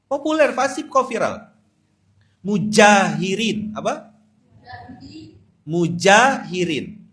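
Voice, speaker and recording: A man from Indonesia gives an animated sermon at a dawn gathering, his voice pitched fairly high for a man. He swings between loud, emphatic exclamations and soft, confiding asides. He jokes with the audience as he goes. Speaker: preacher.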